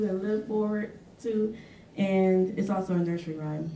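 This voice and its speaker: Audible room echo and light background noise surround the recording. A woman speaks with fairly even intonation. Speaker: panelist, international development worker. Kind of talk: interactive presentation. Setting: stage with audience. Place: meeting room. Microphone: camera far.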